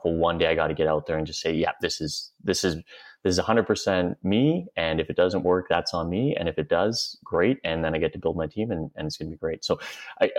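Deep-voiced, earnest male guest. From Western Canada. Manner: earnest, reflective, explaining at length. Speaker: guest, company CEO. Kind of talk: interview answers.

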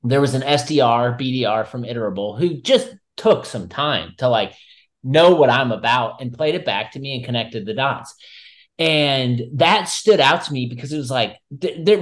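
A man's voice: mid-range voice, expressive, normal speed. A man hosting a marketing podcast, talking casually and emphatically in informal, slightly salty language. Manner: informal, emphatic, mildly profane. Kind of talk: casual conversational anecdote and commentary.

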